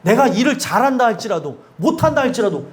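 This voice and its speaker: A man's voice: big pitch swings, fast. A male pastor giving an emphatic, conversational sermon and often asking the congregation questions. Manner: acts out quoted speakers with sudden drops in pitch and loudness.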